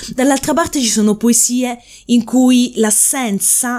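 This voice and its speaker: Her voice has a dark, mellow tone and a fairly high pitch for a woman. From Lanciano, Abruzzo, Italy. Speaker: radio host. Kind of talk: radio presenting.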